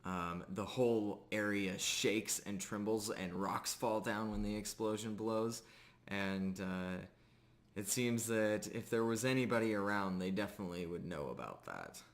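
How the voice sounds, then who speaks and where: Slow, gravelly low-voiced man narrating a game. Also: expressive. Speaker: game master. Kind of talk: improvised narration of a tabletop roleplaying game.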